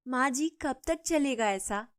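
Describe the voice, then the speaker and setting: A dutiful young daughter-in-law from an animated storybook, polite and eager to calm things down, played by a woman narrator. She speaks in a fairly high, earnest voice. Her tone stays courteous and placating. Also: unhurried.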